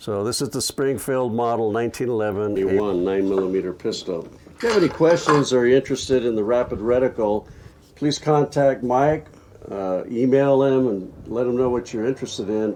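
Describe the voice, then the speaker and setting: Delivered at a fairly quick pace, the voice has a dark, mellow tone and ordinary pitch variation. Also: man, medium pitch for a man. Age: 70s. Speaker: retired police officer and champion pistol shooter. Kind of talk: casual chat. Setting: outdoors.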